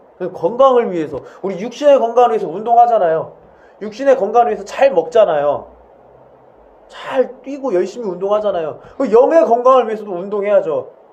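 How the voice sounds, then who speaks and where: A man's high-pitched voice, fairly quick in pace, with lively intonation. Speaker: pastor. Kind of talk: sermon.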